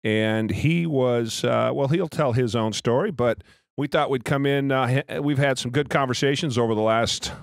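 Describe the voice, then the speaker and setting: A man's voice: medium pitch, moderate pace, gravelly, no echo. A man hosting a casual podcast interview, blunt and freely swearing, speaking into a close podcast microphone. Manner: blunt, profane. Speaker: podcast host.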